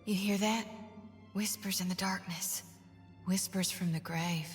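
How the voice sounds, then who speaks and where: A woman's voice: lowish voice, fairly even intonation, a little slow, natural voice. A wary woman adventurer voiced by an actress in a fantasy video game. Her voice rings through a long, cavernous reverb. Game music plays behind her. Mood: eerie, hushed.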